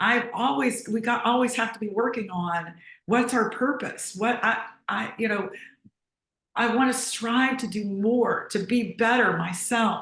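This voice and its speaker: A woman with a fairly high voice speaks at a fairly slow pace and fairly even intonation, and room echo is audible. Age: 60s. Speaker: keynote speaker, financial business founder. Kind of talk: keynote talk.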